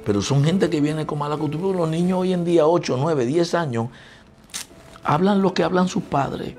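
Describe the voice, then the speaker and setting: Puerto Rican pastor preaching conversationally. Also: male voice, medium pitch, darkish tone. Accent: Puerto Rican Spanish. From Puerto Rico. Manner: conversational preaching, acts out dialogue with his family. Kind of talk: sermon.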